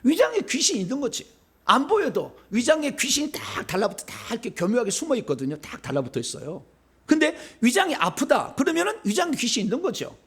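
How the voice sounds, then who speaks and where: A middle-aged man from Seoul preaches his sermon in a high, lively voice that swings widely in pitch. He keeps putting questions to the congregation and answering them himself, like a conversation from the pulpit. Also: fast, breathy edge. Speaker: pastor.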